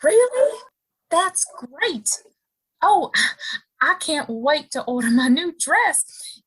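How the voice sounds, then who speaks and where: A woman's voice: high-pitched, sing-song, slow, heavily acted, poor audio. A woman playing a sweet, earnest, modest young woman of the frontier in a western audio play. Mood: delighted.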